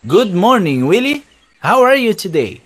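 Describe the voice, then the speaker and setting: A man's voice: high-pitched, big pitch swings, measured pace, exaggerated voice. A man playing a friendly ship captain. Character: friendly male ship captain in textbook dialogue. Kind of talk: scripted textbook audio.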